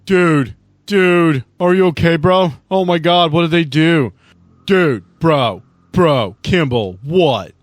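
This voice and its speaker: A man voicing an excitable, dramatic young vape-loving bro who rambles in slang and repeats himself. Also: fairly high pitch, takes it slowly, dry recording, studio quality, pitched above the performer's own voice. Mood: alarmed.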